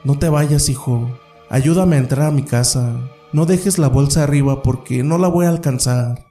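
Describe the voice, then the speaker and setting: A man's voice: mid-range voice, normal speed, mellow, soft background music, natural voice. A man voicing a mocking old witch woman who is really a black hen, with a coaxing, teasing manner.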